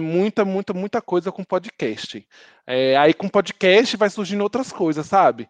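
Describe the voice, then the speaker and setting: Lively intonation marks this man's fairly slow speech. The sound is dry and close with no echo, and the background is quiet. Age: 20s. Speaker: podcast host, biologist. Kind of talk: casual chat.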